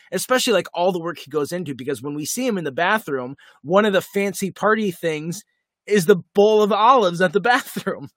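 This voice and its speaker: A man co-hosting a podcast, recapping a TV episode in casual chat, animated and quick with asides. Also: on the high side, no room sound, clean studio sound. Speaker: podcast co-host.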